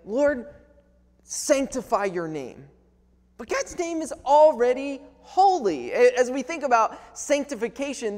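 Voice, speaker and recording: A man in his thirties preaching a sermon earnestly, often restarting and repeating words as he goes. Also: high-pitched. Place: large wooden-panelled church, indoors. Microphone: clip-on lapel microphone. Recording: long church hall reverb.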